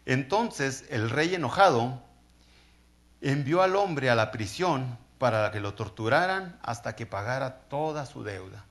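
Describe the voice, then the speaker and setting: A man's voice: mid-range voice, animated, measured pace, fairly bright tone. Guy preaching, chatty storytelling, keeps asking the congregation "right?". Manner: conversational storytelling, checks in with listeners often. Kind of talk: sermon.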